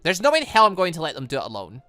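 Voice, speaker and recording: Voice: medium pitch, wildly swooping pitch, racing, sharp tone, no room sound, soft background music. A let's player voicing a protective, guarded young hero from a visual novel, serious and wary.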